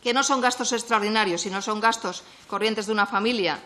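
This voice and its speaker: A woman testifying as a witness in a parliamentary committee hearing, measured and composed, speaking into a desk microphone. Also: medium pitch, sharp tone. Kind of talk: formal testimony.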